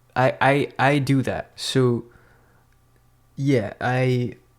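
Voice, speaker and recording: A man in a French accent, medium in pitch. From France. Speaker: vlogger and musician. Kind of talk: casual vlog monologue. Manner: rambling, hesitant with repetitions.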